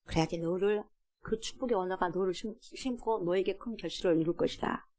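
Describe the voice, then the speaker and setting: A woman voicing a wise, gentle mother who counsels her son in a soft, hushed voice. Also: fairly low pitch, a little fast, close to an everyday voice.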